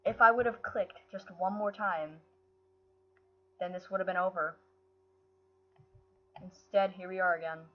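A woman's voice: lowish voice, steady tone, a little slow, pauses often. A woman hosting her own channel, talking casually while she plays a game, her voice worn by sickness and often frustrated. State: sick, voice affected. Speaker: gaming channel host. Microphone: built-in mic, no headset. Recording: dull lo-fi built-in mic.

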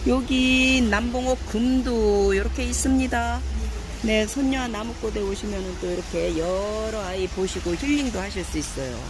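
A plant seller walks a camera through her shop, chatting casually as she shows her plants. She speaks of each one fondly, as if it were a little child. Faint traffic and ambient noise sit quietly behind her voice. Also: medium pitch, normal speed. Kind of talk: casual product showcase.

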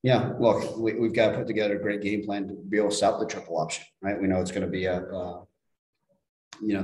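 A man's voice: low-pitched, a little mellow, roomy sound, poor audio. A middle-aged man, a head football coach, answering questions at a post-game press conference in a plain-spoken way, often repeating words as he restarts.

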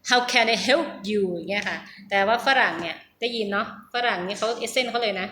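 A woman's voice: mid-range voice, fast, pushed and bright. A middle-aged Thai woman talking casually about practicing English, hesitant, repeating words and laughing at herself. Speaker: English learner sharing her practice. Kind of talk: casual vlog with pronunciation practice. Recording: echoey room with faint hum.

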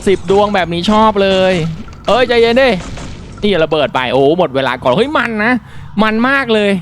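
A man reviewing a mobile shooter in casual commentary, explaining politely and then exclaiming excitedly while he plays. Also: sits high, normal speed, a little hiss or hum.

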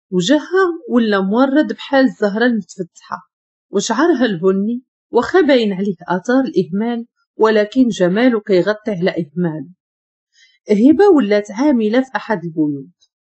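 A woman with a Moroccan accent narrating a scripted story in a calm, steady way. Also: on the high side, slightly rough, highs cut off.

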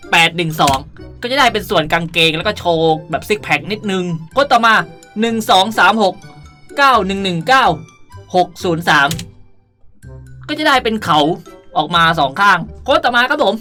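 A young man talks through a casual gaming tutorial in a bright, forward voice. He is playful and animated, ending sentences in a cute, polite way. Music plays behind him. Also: sits high, moderate pace. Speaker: gaming video host. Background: background music.

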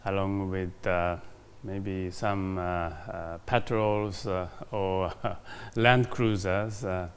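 A man's voice: deep voice, steady tone, very slow, clear, resonant tone. A man, a diplomat giving a formal interview, with many hesitations and fillers. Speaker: ambassador interviewed. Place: formal reception room, indoors. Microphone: lapel mic.

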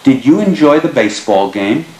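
Man, plain measured reading, test sentences, mid pitch, echoey room. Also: expressive, darkish tone. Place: small lab room indoors.

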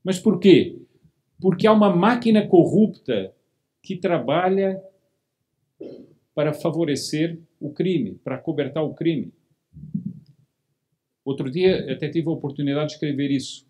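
A middle-aged man delivers a formal speech at a podium in an indoor hall. He talks in a fairly high voice, firing off rhetorical questions and hammering key words through repetition. The sound comes through a podium microphone. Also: expressive, a little slow, pauses often, darkish tone. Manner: emphatic, rhetorical questions, repeats words for stress. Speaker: lecturer at a monarchist meeting.

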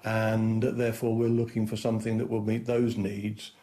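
A man in his sixties explaining plainly in a measured, matter-of-fact way with ums, on a lapel mic. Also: on the low side, completely flat delivery, dark tone, slight background noise. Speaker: house-hunting guest. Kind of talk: interview chat. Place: indoors at home, then outdoors in a field.

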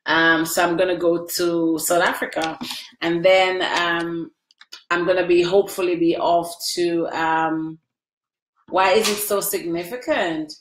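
Still sniffly from crying, this middle-aged host chats emotionally with viewers, calling them by name, during a casual live video from a small, echoey room in her home. Her lower voice is level and unhurried, recorded on a close-range webcam with a little hiss or hum.

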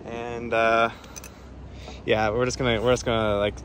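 A man's voice: mid-range voice, flat delivery, unhurried, fairly bright tone. A man in his thirties chatting casually and easily, like a solo sailing vlogger filming himself outdoors on his boat. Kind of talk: casual vlog narration. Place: outdoors on a small sailboat at sea. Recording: noisy boat outdoors, engine and water. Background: boat and water noise.

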